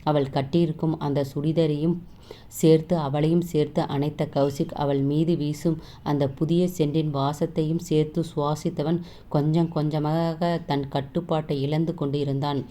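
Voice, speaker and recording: Low, flat-voiced woman storyteller. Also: normal speed. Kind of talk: reading a romance novel aloud.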